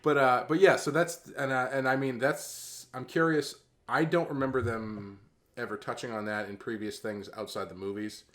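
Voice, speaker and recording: A man co-hosting a podcast in casual chat, talking in a relaxed, hesitant way with many restarts. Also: mid-range voice, normal speed. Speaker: co-host.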